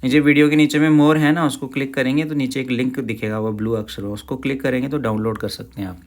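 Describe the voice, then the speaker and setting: A man teaching Sanskrit recitation in an online lesson, sounding out verses slowly syllable by syllable between quick spoken explanations. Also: mid-range voice, fairly even intonation, a little mellow.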